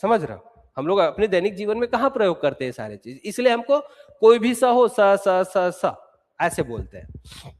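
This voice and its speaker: Guy teaching exam prep, high voice, drills the sounds over and over, echoey room. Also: sing-song, brisk. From Chhattisgarh, India. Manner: explains step by step, repeats sounds aloud to drill them. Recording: long hall reverb.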